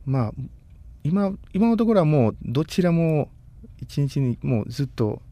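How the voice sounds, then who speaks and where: A man in his thirties from Costa Rica, whose first language is Spanish, answers interview questions in a polite, measured way. His voice has a soft, mellow tone, and he often stops to search for the right word. The sound is close and dry, with no room echo. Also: fairly high pitch, very animated. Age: 30s. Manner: polite, measured, pausing often to find words. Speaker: guest. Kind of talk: casual interview.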